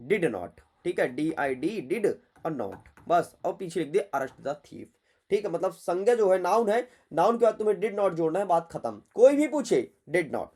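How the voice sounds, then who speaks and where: A man's voice: fairly high pitch, a little mellow. A man going through an exam paper as a teacher, chatty and scolding, repeating his points. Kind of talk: exam paper walkthrough lesson.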